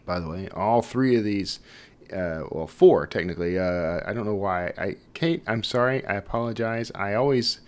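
A man's voice: fairly low pitch, moderate pace, a little mellow. A man hosting a podcast in a chatty, informal, rambling way, often hesitating and digressing. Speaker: podcast host. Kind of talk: casual, rambling podcast introduction.

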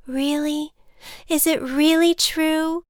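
Woman voicing a high, timid, stubborn storybook butterfly. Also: fairly even intonation, slow, no room sound, clean studio sound. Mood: curious. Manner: anxious, protesting, exclamatory. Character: timid, stubborn female butterfly afraid of flying. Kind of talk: children's storybook character voice.

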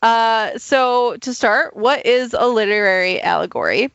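A woman's voice: fairly high pitch, animated, unhurried, gravelly, a bit bright, smooth, no echo. A young adult woman co-hosting a podcast as its scientist, talking in a playful, teasing way. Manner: playful, teasing, laughs often. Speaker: resident scientist co-host. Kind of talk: casual chat. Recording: dull lo-fi dry sound.

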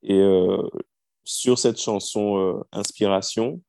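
A man in his thirties, a singer-songwriter, telling how his songs came together in a relaxed interview. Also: lowish voice, takes it slowly, gravelly, dry recording. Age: 30s. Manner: storytelling, easygoing, frequent fillers.

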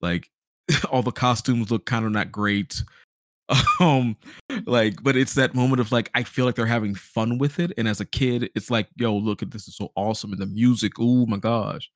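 A man's voice: medium pitch, steady tone, moderate pace, no echo, clean studio sound. A man hosting a podcast in a casual, slangy chat, acting out little imagined quotes as he talks. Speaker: podcast host.

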